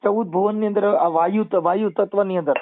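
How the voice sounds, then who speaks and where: A man explains old verses and history at length, now and then chanting couplets in a slow, drawn-out way. His voice sits high for a man. The sound is thin and tinny, like a recorded phone call. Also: steady tone, a little hiss or hum. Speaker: social media personality taking calls.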